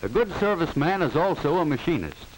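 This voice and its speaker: Old timey american guy narrating an educational film, formal but really varied pitch, bit of hiss on the track. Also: a little fast, rough recording. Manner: formal, instructive, clearly enunciated. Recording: hissy 1940 film soundtrack. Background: steady hiss.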